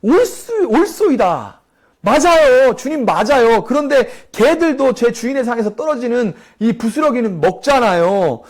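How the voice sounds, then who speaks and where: Pleading foreign mother in a sermon retelling, played by a man preacher, high and imploring. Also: unhurried, a little mellow. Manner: earnest, imploring. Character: pleading foreign woman begging for her daughter.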